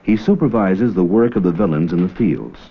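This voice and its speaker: A man's voice: low-pitched, animated, moderate pace, husky. A man reading scripted educational documentary narration on an old film soundtrack. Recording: muffled, faintly noisy old 16mm film soundtrack.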